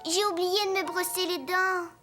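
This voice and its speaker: A performer voicing a timid, curious four-year-old boy in an animated children's series, childlike and earnest. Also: extremely high pitch, normal speed, over music. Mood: excited.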